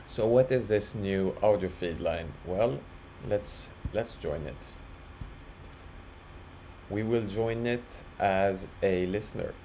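A man presenting a casual software walkthrough, explaining step by step in a halting way. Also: fairly low pitch. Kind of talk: casual screen-share walkthrough. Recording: clearly audible background noise.

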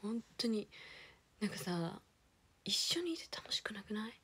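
A young woman, chatting casually as a streamer, ranting with animated indignation and dropping into whispered asides. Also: mid-range voice, a little slow, breathy edge. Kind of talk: casual chat.

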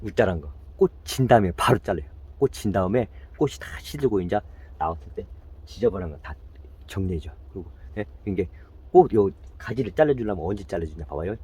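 Husky-voiced man giving chatty plant tips. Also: lowish voice, lively intonation, a little fast, darkish tone. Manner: repetitive, chatty, talks straight to viewers. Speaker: plant care instructor. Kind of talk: casual gardening how-to.

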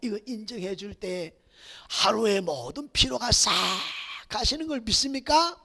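A man preaching a Sunday sermon as pastor, swinging between shouted exhortation and hushed near-whispers. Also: high-pitched, unhurried, gravelly. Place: church sanctuary. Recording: reverberant church hall.

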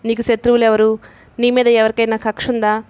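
A woman voicing a calm, concerned male friend while reading a novel aloud, in a measured advising tone. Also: on the high side, smooth, dry recording, natural voice.

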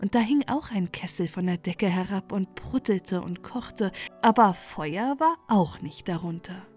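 A woman storyteller reading a fairy tale aloud in a calm, soothing bedtime manner. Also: mid-range voice, unhurried, faint music behind.

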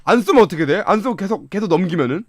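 A man streaming a game, playing in casual commentary, excitable, mumbling to himself one moment and shouting and laughing the next. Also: sits high, racing. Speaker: gaming streamer.

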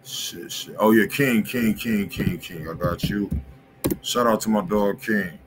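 A man with a fairly low voice talks loosely and casually as he reviews tracks on a livestream, peppering his talk with slang and quick check-ins. He sits at a desk in a home studio room. A faint hiss of room noise sits under his voice. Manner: laid-back slangy talk, keeps asking "you feel me". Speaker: music review show host.

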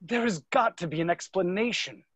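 A man's voice: sits high, fairly quick, a bit bright, husky, dry recording. A man in his thirties playing an earnest, jealous, skeptical young viscount in a dramatic play reading. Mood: disbelieving. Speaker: actor in a virtual staged reading. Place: indoor room, video call. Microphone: video call microphone.

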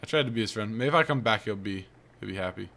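Lowish, gravelly, and a bit bright, this streamer's voice moves fast through casual let's-play commentary. He reads the game's text out loud and grumbles frustrated remarks to himself over the game's music.

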